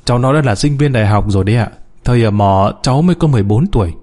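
A man's voice: medium pitch, expressive, rapid-fire, darkish tone, close to an everyday voice. A man voicing a humble, tearful mother in a story, speaking deferentially. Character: tearful, humble, guilt-ridden mother introducing her children.

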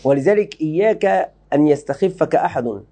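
A man's voice: a little high, lively intonation, moderate pace, dark tone. A man giving a religious lesson, explaining a book to students emphatically, repeating key phrases and checking they follow. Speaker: Islamic teacher.

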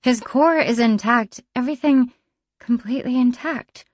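A woman voicing a careful, deadpan female tinkerer who speaks in a measured, slightly formal way. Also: fairly high pitch, no echo, pitched above the performer's own voice, natural voice.

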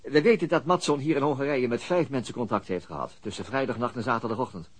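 A weary, dogged police detective in a radio play, played by a man. His voice is husky and his speech is quick, broken by small hesitations. His pitch sits in the middle. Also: lightly acted. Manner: hesitant, with frequent stops. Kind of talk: radio drama acting.

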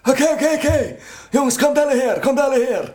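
A man voicing a smooth middle-aged football coach who speaks in a theatrical, drawn-out coaxing way. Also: very high voice, darkish tone, voice pushed up.

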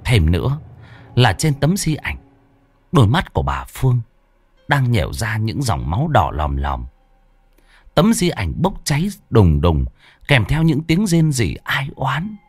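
Husky guy telling a scary story, voice swoops up and down a lot, dry sound with soft music. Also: mid-range voice, wildly swooping pitch, no echo. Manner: slow, dramatic, hushed storytelling. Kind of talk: scripted horror story narration. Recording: dry close voice with faint music.

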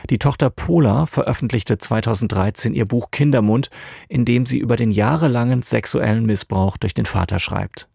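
A man's voice: mid-range voice, normal speed, creaky, a little mellow, slightly rough, no echo. A man presenting a scripted radio introduction from a studio.

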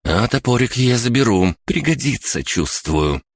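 A man's voice: mid-range voice, sing-song, unhurried, no room sound, studio quality, pitched above the performer's own voice. A man voicing a blunt, bossy young woman adventurer who snaps and threatens. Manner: harsh, snapping, threatening.

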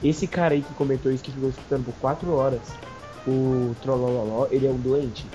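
A man chatting on a casual podcast, playful and quick to crack crude jokes. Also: medium pitch, steady tone, dark tone, highs cut off, soft background music.

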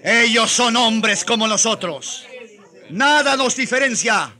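Fervent high-pitched colonial Christian man. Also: animated, pushed and bright, full character voice. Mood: fervent, pleading. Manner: fervent, slow preaching declamation. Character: impassioned colonial Christian man denouncing wrongs against Indians. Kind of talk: radio drama acting.

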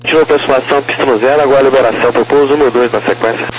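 A man's voice: medium pitch, fairly even intonation, rapid-fire. A man working as an air traffic controller, giving clipped procedural instructions over the radio. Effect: radio transmission. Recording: faintly noisy, humming aviation radio.

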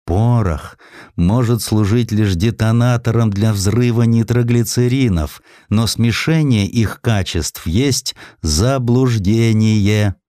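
A man's voice: on the low side, slow, warm tone, no echo, clean studio sound, voice pushed up. A man voicing a stubborn, earnest young inventor son in an audiobook story. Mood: confident, insistent.

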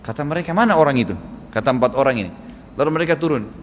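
A man's voice: medium pitch, lively intonation, very fast, slight background noise. A man preaching a sermon, telling a story and acting out its dialogue with animation. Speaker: Islamic preacher. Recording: long hall reverb, faint ambience.

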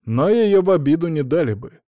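A man's voice: on the high side, animated, a little fast, dark tone, dry recording, pitched above the performer's own voice, natural voice. Male narrator voicing a blunt, faintly mocking lawyer, frank and matter-of-fact; dry, close audiobook sound. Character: wry, blunt middle-aged male lawyer.

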